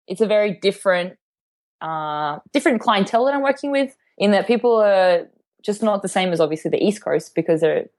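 A woman with an Australian accent, a podcast guest chatting in an upbeat way with frequent ums and you knows. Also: mid-range voice. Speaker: guest, fitness trainer. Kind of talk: casual interview chat.

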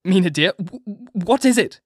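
A man's voice: sits high, expressive, normal speed, husky, no echo, clean studio sound, pitched above the performer's own voice. A man voicing a desperate young husband who cries out in alarm, in a storybook reading. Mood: frantic alarm. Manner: loud, desperate, crying out. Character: young husband, dazed then frantic.

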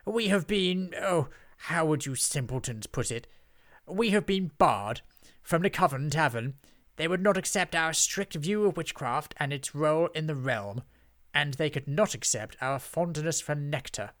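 A man's voice: a little high, animated, unhurried, fairly bright tone, voice pushed up. A man voicing haughty, imperious witch sisters in a storybook, with pompous, drawling, commanding speech. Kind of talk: children's storybook character voice.

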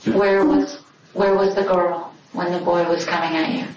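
A woman police detective questioning a suspect calmly, repeating his answers back to probe further. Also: lowish voice, moderate pace, a little hiss or hum. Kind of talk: interrogation questioning. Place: interrogation room. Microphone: far room camera. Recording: echoey room from a distant camera.

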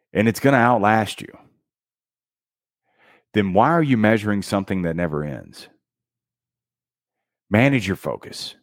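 Emphatic motivational man, lively swings. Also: on the low side, dry recording, studio quality. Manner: energetic and emphatic, with dramatic counting and punchy one-word beats; casual slang like "dude" and "bro". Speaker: book summary host. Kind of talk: motivational book commentary.

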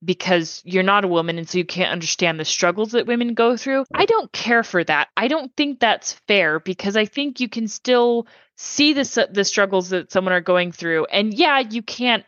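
A woman's voice: medium pitch, expressive, normal speed, hardly any pauses, a bit bright, dry recording, dull audio. A woman hosting a podcast, chatting casually and conversationally with frequent fillers. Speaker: podcast host. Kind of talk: casual chat.

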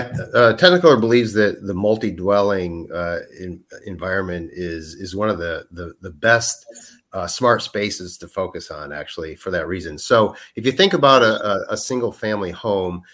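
A man with a fairly low voice explains things at length as a podcast guest. He pauses often on fillers and repeats words as he gathers his thoughts. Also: a bit bright. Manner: hesitant, many fillers and restarts, explanatory. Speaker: guest, product manager. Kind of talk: podcast interview.

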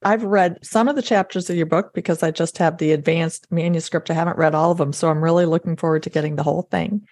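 A woman's voice: on the low side, steady tone, fast, hardly any pauses, darkish tone, no echo. A woman hosting a faith podcast, speaking, affirming and eager, often speeding up in bursts. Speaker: podcast host. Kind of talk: casual faith interview.

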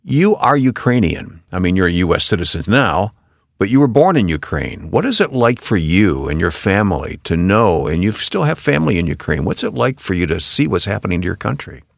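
A middle-aged man hosting a radio interview, asking measured, well-formed questions. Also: sits low, very animated, gravelly, no room sound, studio quality. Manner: measured, scripted-sounding questions. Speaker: radio host.

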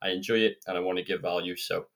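A young man with a fairly low voice talks into a podcast microphone, earnest and chatty in a loose, rambling way. He sounds slightly croaky and sniffly, as if nursing a cold. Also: steady tone, fast talker. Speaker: podcast host. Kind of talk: solo self-improvement podcast monologue.

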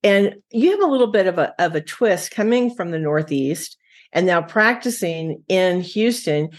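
A woman's voice: fairly low pitch, animated, moderate pace. A woman hosting a podcast interview, asking questions in a conversational, encouraging way. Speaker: podcast host.

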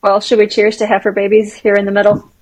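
A woman's voice: mid-range voice, completely flat delivery, fast talker, darkish tone, no echo, rough recording. A woman co-hosting a podcast in an easygoing, agreeable way. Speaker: podcast co-host. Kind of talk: casual podcast interview.

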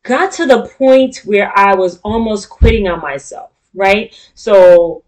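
A woman's voice: medium pitch, animated, slow, a little mellow, low-quality recording. African American woman hosting a candid talk. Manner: informal, candid, conversational and slangy. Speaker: talk show host. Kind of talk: casual personal monologue to an audience.

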